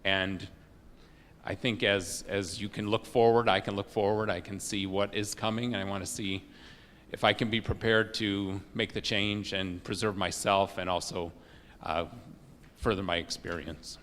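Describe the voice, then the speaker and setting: A middle-aged man with a loud voice answering interview questions on a handheld mic, with many fillers and restarts. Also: fairly low pitch, level tone, moderate pace, a little hiss or hum. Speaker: job candidate. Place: township meeting room. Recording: long hall reverb.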